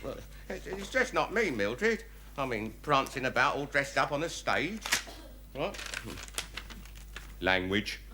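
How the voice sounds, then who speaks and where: A cheeky, henpecked husband. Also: male voice, medium pitch, very animated. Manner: sheepish, quick comic backpedalling. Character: henpecked, cheeky suburban husband, middle-aged man. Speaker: sitcom character. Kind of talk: 1970s British sitcom acting. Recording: hissy old TV audio with studio laughter.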